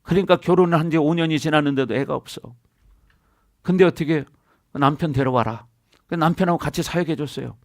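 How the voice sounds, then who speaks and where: Middle-aged pastor guy preaching, high voice, keeps calling out to the church for amens, dry close sound. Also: steady tone, quick pace, darkish tone, no echo. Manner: preaching with call-and-response to the congregation. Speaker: senior pastor. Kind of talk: sermon. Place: church sanctuary.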